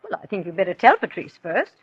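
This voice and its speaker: Gentle older society mother, coaxing, expressive pitch, dull old radio sound. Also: quick pace, slightly rough. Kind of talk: 1940s radio acting.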